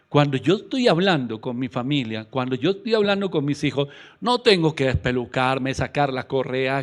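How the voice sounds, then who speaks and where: A middle-aged Colombian man preaches a radio sermon in a slightly high voice. He asks questions and answers them himself, and acts out the excuses people make in quoted lines. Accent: Colombian Spanish. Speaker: pastor.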